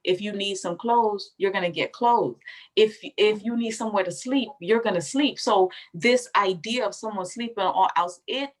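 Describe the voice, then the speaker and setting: Speaking with medium pitch and normal speed, a woman from the Bahamas shares her story in a relaxed interview conversation. Her telling is emphatic, and she addresses the listener as "baby."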